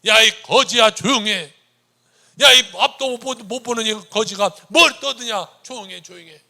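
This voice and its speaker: A man's voice: high voice, moderate pace, bright, forceful tone, pitched above the performer's own voice, heavily acted. A male pastor voicing a scornful crowd that harshly scolds a blind beggar. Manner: harsh, mocking.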